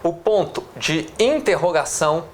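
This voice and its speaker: A man's voice: fairly high pitch, lively intonation, measured pace, slight background noise. A man with a Brazilian Portuguese accent teaching a lesson on punctuation. He explains step by step, drags out words while writing on the board and keeps checking in with "tá?" and "né?". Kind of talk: classroom lecture on punctuation.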